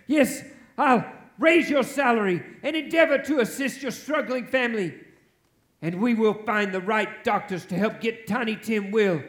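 An actor playing a reformed old miser, hearty and exclamatory, in a theatrical radio play recorded live on stage. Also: male voice, extremely high pitch, a bit bright. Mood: merry. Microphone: shared stage microphone.

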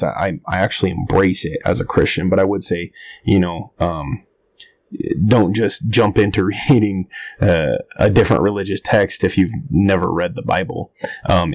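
A man with a hoarse, raspy voice that keeps threatening to give out, talking casually and haltingly as a pastor hosting a podcast. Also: deep voice, a little mellow. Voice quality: raspy, rough voice that is partly lost. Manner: halting, searching for words. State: hoarse, losing his voice.

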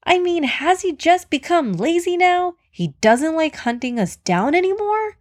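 Woman as a female antelope, jittery, anxious exclamations, very high voice, children's storybook. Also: very animated, a little slow, heavily acted. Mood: jittery, indignant.

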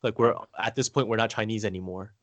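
A man's voice: lowish voice, fast, dry recording. An American man chatting casually as a guest, rambling and hesitant with lots of "like" fillers. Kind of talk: casual conversation.

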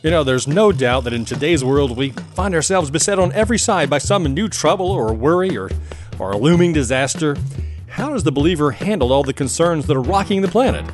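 A male host with a fairly high voice gives scripted links between clips. His phrasing is folksy and florid, with music playing behind. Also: animated, brisk. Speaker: radio program host.

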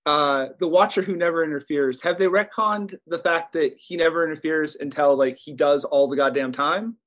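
A man's voice: a little high, normal speed, a bit bright. Wry, curious man co-host. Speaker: podcast co-host asking questions. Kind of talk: casual podcast chat.

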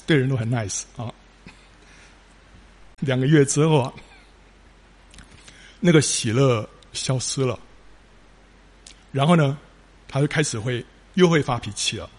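A man preaching a sermon, telling stories with rising emphasis and frequent filler particles. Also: mid-range voice.

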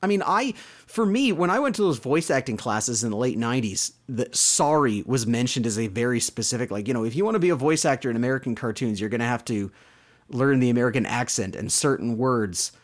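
A Canadian man in a relaxed podcast chat, his pitch jumping around a lot as he talks. He breaks into little mock voices when he quotes a show. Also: brisk. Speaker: podcast co-host. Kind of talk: casual chat reviewing a show.

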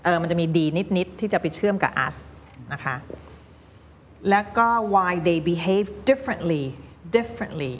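A woman teaching English pronunciation, drilling single words slowly and then explaining quickly. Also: on the low side, steady tone, a little hiss or hum. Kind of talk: pronunciation coaching. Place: recording studio.

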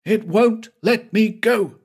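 A man's voice: sing-song, takes it slowly, fairly bright tone, exaggerated voice. A man voicing a terrified, guilt-haunted man who shrieks in frantic fear in a dramatic audiobook reading. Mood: frightened. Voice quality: shrill, frantic.

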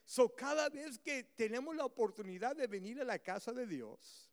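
A male pastor preaching a bilingual sermon, repeating each line in a second language and building to fervent shouts. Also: extremely high pitch, big-room sound. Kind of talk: bilingual sermon, switching between phrases.

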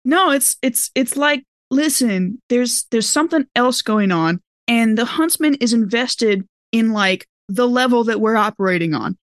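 A woman playing a tabletop role-playing game, chatting casually and in an animated, interjecting way. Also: on the high side, unhurried, few pauses, dry recording, studio quality. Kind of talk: casual improvised in-character game chat.

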